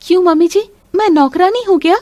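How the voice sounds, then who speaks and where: A woman voicing a patient young daughter-in-law in an animated story, talking in a polite, earnest way. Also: extremely high pitch, fairly quick, no echo, voice pushed up. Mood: upset.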